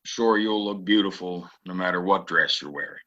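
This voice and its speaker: A slightly muffled recording of a western audio play. A man acts out a weary, guarded gunslinger with a very low, husky voice and a tense, forceful edge. He speaks haltingly, as a loner would. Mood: shy, awkward. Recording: dull lo-fi home recording.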